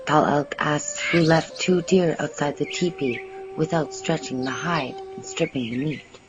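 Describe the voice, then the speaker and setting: A man playing a young Native American maiden, telling a story in first person with simple, measured, earnest delivery in an audio drama. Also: fairly high pitch, steady tone, dull audio, music in the background, close to an everyday voice. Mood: earnest, secretive.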